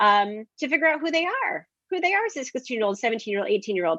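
In an American accent, a woman talks at a fairly high pitch. Her pace is fairly quick and her intonation lively. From US Midwest, Iowa. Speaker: entrepreneur and author. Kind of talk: interview.

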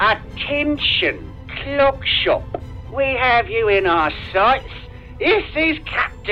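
A put-on character voice, high-pitched and raspy, at a very slow pace, with clear music in the background. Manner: unpleasant, menacing, too loud.

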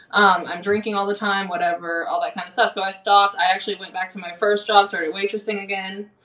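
Over noticeable background noise, a medium-pitched woman with a General American accent speaks at a very fast pace with hardly any pauses, monotone, flat intonation and big swings in loudness. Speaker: adult entertainer. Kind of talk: casual interview chat.

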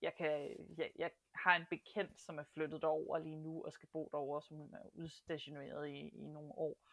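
A woman speaks at a fairly slow pace, with a dry, close sound and no echo. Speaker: actress. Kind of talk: casual chat.

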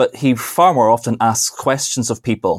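This voice, with a Northern Irish accent, comes through in a very clean recording with a silent background. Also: man. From Northern Ireland. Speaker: pastor. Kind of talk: podcast interview.

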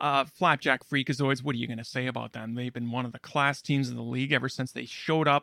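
A man speaks at a very fast pace with hardly any pauses. His tone is bright and sharp. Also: medium pitch for a man, dry, close sound with no echo. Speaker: comedy podcast host. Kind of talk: pitchman patter, mock life-coach sales pitch. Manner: animated, florid, theatrical.

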